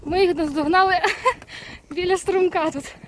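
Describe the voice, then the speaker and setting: A woman with a high voice vlogs from the saddle, urging her horses on and soothing them in turn. She is recorded outdoors in open countryside on a camera she carries while riding. Heavy outdoor noise and hoofbeats sit behind her voice. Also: steady tone, measured pace. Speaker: horse owner vlogger. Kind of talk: casual vlog narration while riding. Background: loud hoofbeats and outdoor noise.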